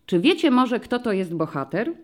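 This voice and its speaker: A woman voicing a patient, friendly male police commissioner who explains things slowly to young children in an audiobook story. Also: medium pitch, very animated, darkish tone, pitched above the performer's own voice, natural voice. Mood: explaining.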